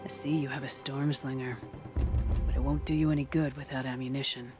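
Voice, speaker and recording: Terse tribal trial-giver, music behind. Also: female voice, extremely low pitch, level tone, brisk. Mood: stern, appraising. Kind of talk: video game cutscene acting.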